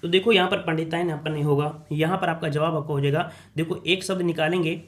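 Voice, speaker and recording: A man's voice: fairly high pitch, steady tone, quick pace. A man teaching a spoken quiz lesson for exam coaching, repeating questions and answering them himself. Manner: repetitive, asks and answers his own questions.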